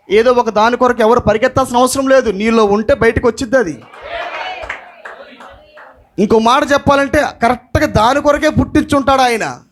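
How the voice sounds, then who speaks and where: A male pastor preaching an impassioned sermon, dropping in English phrases and shouting the lines he wants to stress. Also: very high voice.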